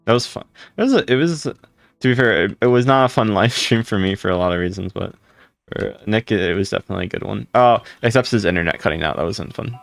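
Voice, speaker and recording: Deep gravelly-voiced male streamer. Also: animated, fast, dry recording, soft background music. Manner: rambling, greets viewers by name. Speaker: livestreamer. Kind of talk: casual livestream chat with viewers.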